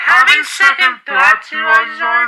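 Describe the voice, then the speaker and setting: This put-on character voice sits high and swings very widely in pitch at a fairly slow pace. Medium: machinima. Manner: cool, commanding.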